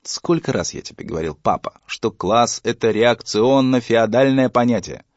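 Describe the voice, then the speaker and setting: A man's voice: mid-range voice, animated, moderate pace, dry recording, dull audio, natural voice. A man reading a story, voicing a dogmatic schoolboy who lectures his father. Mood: lecturing. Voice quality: preachy, self-assured lecturing tone.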